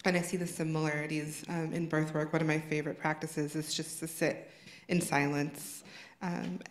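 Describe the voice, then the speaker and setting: A woman panelist and birth worker speaking calmly and reflectively, her sentences trailing off softly. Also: low-pitched, moderate pace. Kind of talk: panel discussion. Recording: echoey room.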